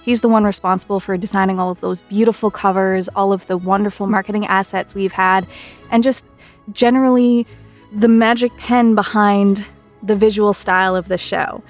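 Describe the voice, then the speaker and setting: A woman hosting an interview show, speaking in a clear presenting style as she introduces and questions a guest. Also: mid-range voice, steady tone, normal speed, soft background music. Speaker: interviewer and host, associate producer. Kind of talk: scripted intro, then casual interview.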